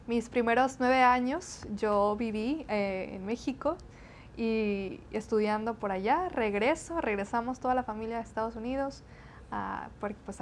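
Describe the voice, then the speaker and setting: A woman's voice: a little high, slight background noise. A woman in her twenties from the Texas–Mexico border, talking in an interview and filling her answers with eh and repeated "sí, sí, sí". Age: 20s. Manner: chatty, many fillers and repeated "sí, sí, sí". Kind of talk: interview conversation.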